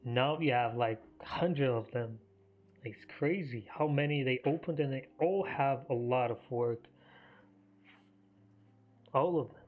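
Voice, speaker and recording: Man on a tinny phone-like line. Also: mid-range voice. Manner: halting, many fillers and restarts. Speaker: live trading stream host. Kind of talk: casual chat.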